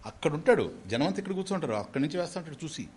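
A man delivers a spiritual discourse as a story. His pitch swings widely as he moves through the tale, and he drops English words into his talk. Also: very fast, breathy edge. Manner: animated storytelling, voices quoted characters with big pitch swings; mixes English words into speech. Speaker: spiritual teacher.

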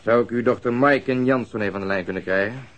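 An actor playing a stolid, pedantic police detective in a radio drama, formal, deadpan and insistent. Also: male voice, mid-range voice, fast, muffled recording, a little hiss or hum, lightly acted. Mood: businesslike.

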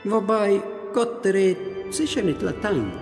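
A man's voice: high-pitched, lively intonation, unhurried, vocal fry, a little mellow, exaggerated voice. Wry Jewish man, echoey hall. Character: devout Jewish man, loyal and wryly humorous. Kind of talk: radio drama acting. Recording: echoey hall, music behind.

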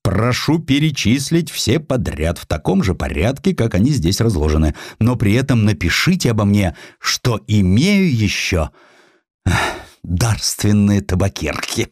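A man's voice: lowish voice, very animated, unhurried, darkish tone, dry recording, clean studio sound. A man voicing a self-important, demanding count with a pompous manner in an audiobook. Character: self-important count showing off his medals.

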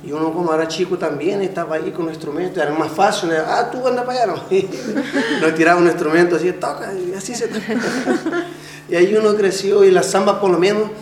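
A man's voice: sits high, a little fast. Brazilian man in his forties, echoey room. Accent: Brazilian Portuguese. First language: Portuguese. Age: 40s. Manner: hesitant, many restarts, laughs while telling stories. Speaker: interviewee, samba percussionist. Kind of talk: casual interview answers.

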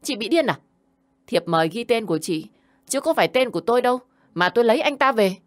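A woman voicing a spiteful young woman, a defensive younger sister who talks in a shrill, whiny, indignant way. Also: expressive, fast talker, lightly acted.

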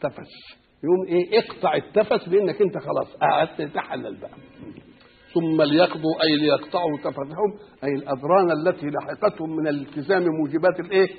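Man, Egyptian accent, religious lesson, fast talker, gravelly, slightly high voice, lo-fi tinny sound. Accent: Egyptian Arabic. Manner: asks rhetorical questions and answers them himself. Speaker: religious scholar. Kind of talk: Quran exegesis lesson. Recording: tinny phone-like lo-fi recording.

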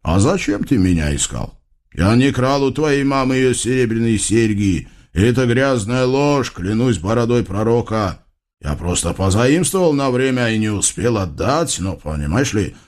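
A man's voice: mid-range voice, lively intonation, a little mellow, natural voice. A man voicing a sly, cowardly aging bandit chief who talks in a wheedling, evasive way. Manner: wheedling, evasive, with drawn-out interjections.

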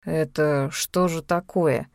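A woman voicing a stolid, unflappable man who speaks slowly and deliberately in a lowered voice. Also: steady tone, creaky, a little mellow, no room sound, exaggerated voice. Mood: deadpan.

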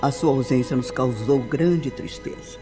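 An actress playing a refined, sorrowful older mother in a radio drama, with a Brazilian accent and solemn, deliberate, formal phrasing. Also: extremely low pitch, dark tone. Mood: wistful. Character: older upper-class widowed mother, grave, sorrowful, refined. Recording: music under the voice. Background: background music.

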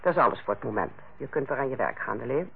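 An actress playing a stern, sarcastic head nurse who lectures and bites in a Dutch radio play. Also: female voice, very deep voice, lively intonation, fast talker, creaky, slight background noise, heavily acted. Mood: cold, commanding. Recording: muffled old radio play recording.

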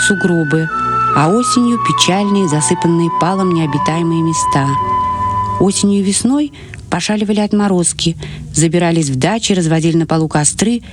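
Higher-pitched male narrator with music behind. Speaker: narrator reading literary prose. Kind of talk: scripted literary narration.

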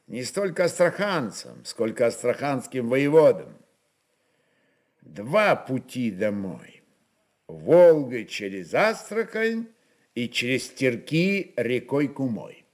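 A man narrating historical fiction in a dramatic, deliberate style with weighty pauses. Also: medium pitch, very animated.

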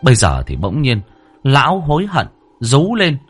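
A man narrating a scripted story with dramatic, expressive delivery. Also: mid-range voice, moderate pace, breathy edge, soft background music.

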